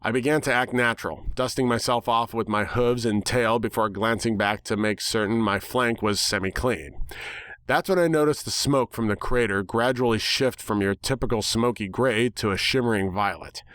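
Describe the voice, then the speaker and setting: Dry-sounding man narrating, wry and deadpan. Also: medium pitch, normal speed, no echo. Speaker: narrator, dramatic reader. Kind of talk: scripted first-person story narration.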